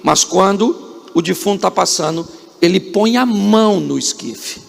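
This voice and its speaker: A Brazilian pastor with a high voice and a gravelly edge preaches in a church. He tells the story with humor and drama, rising and dropping sharply, and keeps quizzing the congregation with repeated questions. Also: unhurried. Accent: Brazilian Portuguese. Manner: dramatic storytelling with sudden rises and drops. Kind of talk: live church sermon.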